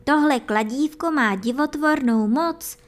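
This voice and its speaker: A woman's voice: high-pitched, voice pushed up, close to an everyday voice. A woman reading a fairy tale aloud, voicing a sly, cunning gamekeeper who teases and fools his neighbour. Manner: sly, teasing, mock-reluctant.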